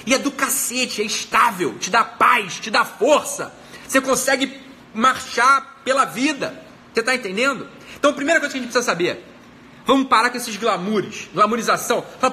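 A man's voice: extremely high pitch, sharp tone. A Brazilian man, a psychiatrist, giving a motivational self-help talk in a blunt, profane way and repeating his points for emphasis. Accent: Brazilian Portuguese.

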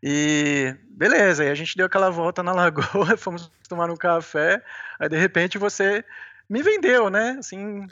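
Man with a Brazilian accent heard over the phone, lo-fi phone line, fairly high voice, bright and forceful, easygoing chatty guest. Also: a little slow. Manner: easygoing, chatty, sprinkles "né" and small laughs. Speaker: podcast guest, beginner mountaineer. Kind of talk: casual interview chat.

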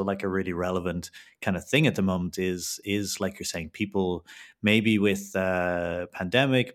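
A man hosting a podcast, asking questions in a hesitant way with many fillers. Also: low-pitched. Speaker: podcast host. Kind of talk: casual podcast interview.

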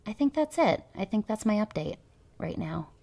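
A woman's voice: mid-range voice, very animated, moderate pace, creaky, dark tone. A woman co-hosting a podcast, talking casually with many fillers in a cynical, hedging way. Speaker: podcast co-host; teacher.

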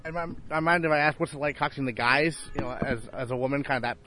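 A man's voice: medium pitch, quick pace, noisy background. A man interviewing college rowers, asking brief questions with some hesitant phrasing.

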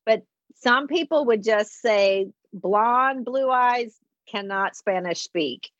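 A woman's voice: on the high side, slow, fairly bright tone, no room sound, muffled recording. A woman from the southern United States hosting a conversational interview, chatty and affirming. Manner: chatty, affirming, frequent "right".

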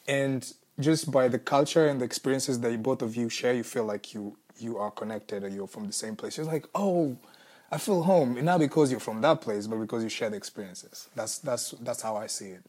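A young man from Congo with a Kenyan accent, a musician answering interview questions in a thoughtful, searching way with restarts and soft laughs. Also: medium pitch, moderate pace. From Congo, raised in Kenya. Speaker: musician, former refugee.

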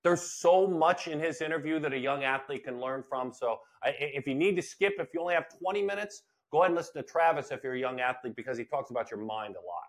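A man's voice: medium pitch, fast talker, hardly any pauses. An older man co-hosting a baseball podcast, chatting casually and animatedly, often repeating phrases for emphasis. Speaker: podcast co-host, baseball broadcaster. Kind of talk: casual sports chat.

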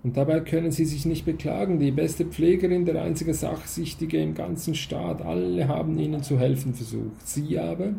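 A condescending official with a frosty, growling edge, as a man reads him aloud. His gravelly voice sits slightly high but sounds dark and mellow. The audiobook figure talks down to his listener. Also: normal speed, few pauses, a little hiss or hum. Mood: scornful. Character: stern, cold male official of a drugged state.

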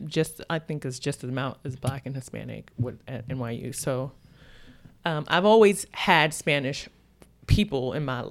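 A woman's voice: very deep voice, moderate pace. A young woman from Brooklyn chatting casually, telling stories with lots of laughter. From Brooklyn, New York. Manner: animated, laughing storyteller. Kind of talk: casual chat.

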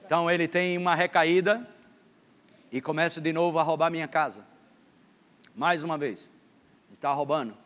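Playful preacher in a reverberant hall. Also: male voice, fairly high pitch, normal speed, long pauses. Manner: joking, teasing a volunteer, animated. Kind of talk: playful sermon with a stage demonstration. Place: church hall with a congregation. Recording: long hall reverb, faint background noise.

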